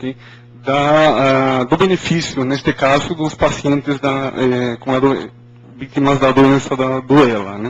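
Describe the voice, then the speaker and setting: Over noticeable background noise, a man with a non-native accent speaks at a very slow pace, his medium pitch held in fairly even intonation. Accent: foreign accent in Portuguese. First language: Spanish (speaking Portuguese). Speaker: engineering PhD student, speaker. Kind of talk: lecture. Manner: halting, many fillers.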